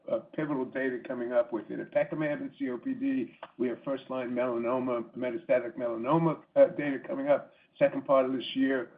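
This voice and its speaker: A man speaking as a company executive on an earnings call, answering haltingly with repeated words. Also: mid-range voice. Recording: muffled phone-line conference call audio.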